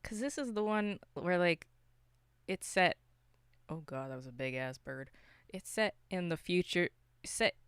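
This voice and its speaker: A podcast host chatting casually about films and games in an animated, self-interrupting way with some mild swearing. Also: medium pitch, measured pace, pauses often, clear, resonant tone, no room sound. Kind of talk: casual film and game discussion.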